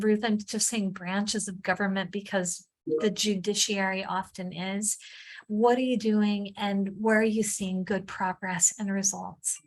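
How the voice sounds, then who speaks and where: Slow-speaking woman facilitating a meeting. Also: mid-range voice, poor audio. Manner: friendly, informal, with fillers.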